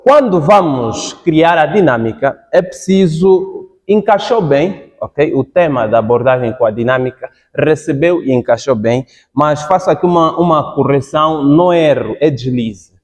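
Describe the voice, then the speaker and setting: Brief: male speaking coach, slightly high voice, repeats key points, long hall reverb. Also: animated, moderate pace. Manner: repeats points for emphasis, checks in with "ok?". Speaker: public speaking coach giving feedback. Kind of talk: spoken critique in a class.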